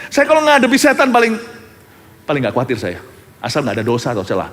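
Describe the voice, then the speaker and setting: A male pastor delivering a lively sermon, swinging between loud bursts and hushed low lines. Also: quick pace. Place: large church hall. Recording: church hall with long reverb.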